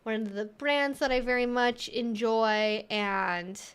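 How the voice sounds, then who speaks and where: A woman with a high-pitched voice hosts a casual livestream. She talks informally and thinks aloud, wandering a bit from point to point as she chats with viewers. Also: steady tone, takes it slowly, clear, resonant tone. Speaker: livestream host and educator.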